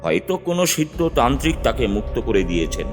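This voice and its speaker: A man narrates a village horror tale as the guru at its center, building tension as he tells it. His voice sits at a middle pitch. Music plays clearly underneath. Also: very animated, fast talker. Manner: dramatic storytelling.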